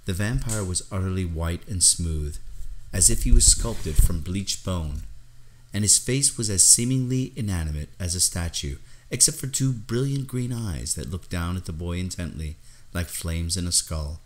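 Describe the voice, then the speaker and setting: A man with a low-pitched voice reads gothic fiction for an audiobook. His delivery is scripted, measured and dramatic. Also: expressive. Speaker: audiobook narrator, voice actor.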